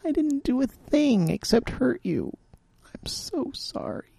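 A man voicing a miserable, self-mocking trans woman, raising his pitch and sounding tearful and wry. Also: big pitch swings, slow, gravelly, mellow, husky, dry recording, heavily acted.

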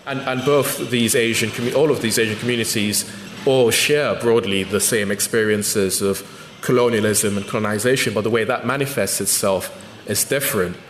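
A man's voice: on the low side, normal speed. Man speaking thoughtfully in an echoey hall. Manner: thoughtful, with frequent restarts and ums. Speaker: author and guest speaker. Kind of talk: measured public talk. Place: lecture hall. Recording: echoey hall with faint noise.

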